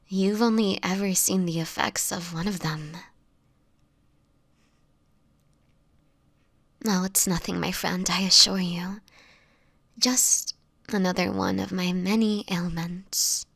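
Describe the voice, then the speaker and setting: An actress voices a sickly homeless vampire woman for an intimate audio drama. Her voice is soft and crackles with fry, often sinking into a whisper. She speaks haltingly in courteous, old-fashioned phrases, gentle yet guarded and sad, recorded close and dry. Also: lowish voice, steady tone, no room sound, heavily acted. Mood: reassuring, weary. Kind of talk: intimate audio roleplay acting. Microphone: close microphone, dry.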